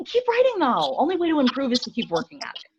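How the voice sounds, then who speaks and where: A woman's voice: sits high, huge pitch swings, quick pace. A woman playing a young college friend in a comedy sketch, offhand, blunt and falsely encouraging. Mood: falsely breezy. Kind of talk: staged reading of comedy sketch. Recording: dull lo-fi video-call audio.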